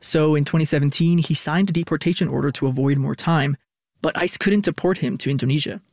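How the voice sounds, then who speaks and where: A man's voice: a little high, darkish tone, dry recording. Dry, close-miked male radio reporter. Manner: measured, scripted storytelling. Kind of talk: narrated news feature.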